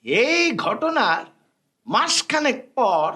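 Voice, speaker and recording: A man's voice: very high voice, sing-song, very slow, bright, forceful tone. A man narrating a scripted children's story in a theatrical storyteller manner.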